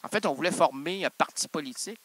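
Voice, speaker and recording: A Québécois man with a high, sharp voice riffs through a goofy radio monologue. He wanders from one joke to the next and argues with his own asides. The tone stays bright and playful. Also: fast talker, slight background noise, rough recording. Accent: Québécois French. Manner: playful, rambling, answers himself in asides. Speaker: radio show host. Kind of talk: improvised comic monologue.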